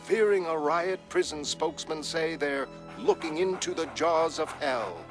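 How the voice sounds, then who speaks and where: A man voicing a formal news announcer who reads in a measured broadcast style. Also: on the high side, lively intonation, pitched above the performer's own voice. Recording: music underneath.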